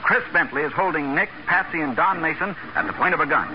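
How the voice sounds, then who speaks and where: A man's voice: fairly high pitch, animated, quick pace, slight background noise. A man announcing in scripted, dramatic 1940s radio style. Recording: muffled 1940s radio recording. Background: music.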